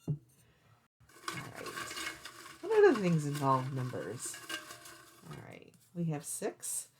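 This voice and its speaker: A woman's voice: low-pitched, a little hiss or hum. A woman hosting a craft vlog, chatting casually in a rambling way and thinking aloud as she goes. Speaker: cross-stitch vlog host. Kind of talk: casual rambling chat to camera.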